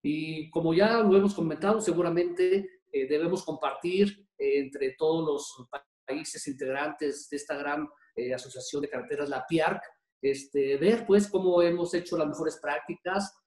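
A man's voice: fairly high pitch, measured pace, darkish tone, roomy sound. A man, presenting formally with many hesitant fillers. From Mexico. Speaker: government official presenting.

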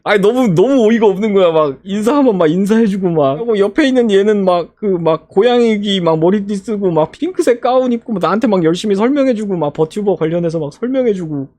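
A man streamer giving a casual vlog recap over his photos, animated and laughing often, piling up fillers and exclamations. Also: sits high, quick pace, hardly any pauses.

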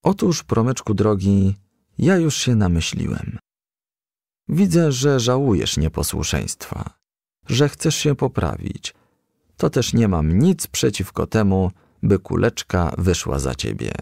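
A man voicing a stern, fatherly male firefly who admonishes in measured storybook dialogue. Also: fairly low pitch, big pitch swings, vocal fry, darkish tone, no echo, studio quality, heavily acted. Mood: kindly, measured.

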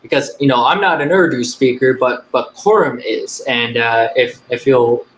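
A young man talking on a video call, halting and filling his speech with "like" and repeated words as he argues his view. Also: mid-range voice, fairly bright tone, a little hiss or hum, poor audio. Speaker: debate guest. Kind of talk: casual debate on a video call. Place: small room indoors.

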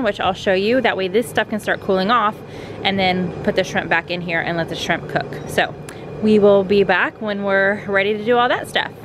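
Chatty and addressing her audience as "you guys," a woman in her thirties talks casually to viewers while filming a cooking vlog out on a deck. She speaks at a medium pitch, and there's noise in the background.

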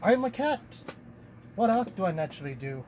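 A game master voicing an aloof male talking black cat messenger with a lowered, mock-solemn voice. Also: big pitch swings, brisk, darkish tone, a little hiss or hum, natural voice, low-quality recording. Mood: smug.

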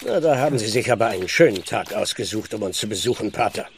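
An actor playing a weary, plain-spoken older village constable in a radio play, grumbling in a gravelly voice. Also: male voice, fairly low pitch, lively intonation, quick pace, slight background noise. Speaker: actor in audio drama. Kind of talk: German radio play acting.

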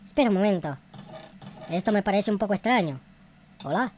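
Man doing a high-voiced, excitable noob boy. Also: brisk, a little hiss or hum. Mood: alarmed. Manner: rambling, repetitive, exclaiming. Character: childish, excitable, cheeky noob son. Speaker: YouTube gamer playing a character. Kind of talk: improvised Minecraft roleplay.

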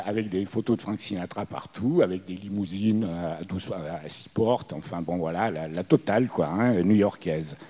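A man's voice: on the low side, mellow, breathy edge. A man in his sixties from Italy with an Italian accent, telling anecdotes on a panel with many fillers and restarts. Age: 60s. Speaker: panel guest. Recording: hall reverb.

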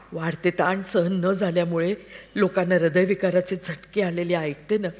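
Woman voicing a worried wife on stage, slow coaxing voice, pleads with her husband and soothes her kid. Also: mid-range voice, lightly acted. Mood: pleading. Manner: pleading, coaxing, tender with a child. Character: anxious devoted wife and mother, middle-aged. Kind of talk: staged play reading.

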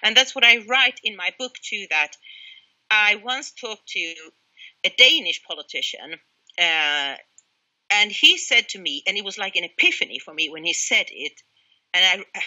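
A middle-aged woman from Sweden, a guest with a Swedish accent, answers interview questions on a video call, using a headset in a small room at home. Her mid-range voice is bright and forceful, and she's emphatic and opinionated, often restarting. The recording quality is low.

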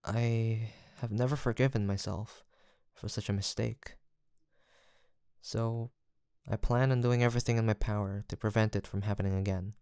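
A man playing a gentle, earnest apothecary in a fantasy audio roleplay, soft-spoken, formal and courteous, with some hesitation. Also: lowish voice, steady tone, normal speed, clean tone, dry recording, clean studio sound, close to an everyday voice. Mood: solemn, determined. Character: gentle, earnest, guilt-haunted male apothecary in fantasy village. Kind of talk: soft, sweet roleplay acting addressed to the listener.

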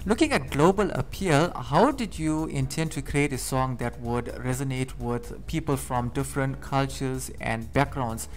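A man's voice: mid-range voice, a little slow, hardly any pauses. A man hosting a radio interview, putting questions to his guest.

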